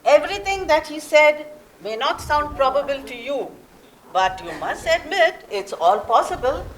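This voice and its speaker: A woman's voice: sits high, animated, moderate pace, poor audio. A woman reading an assertive, restless character who argues back in a staged play. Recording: live stage with background noise.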